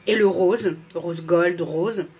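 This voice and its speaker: A woman's voice: fairly low pitch, slow pace, warm tone, soft background music. A woman vlogger in casual, gushing chat, fumbling and apologizing as she reads out names. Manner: fumbles and restarts while reading labels.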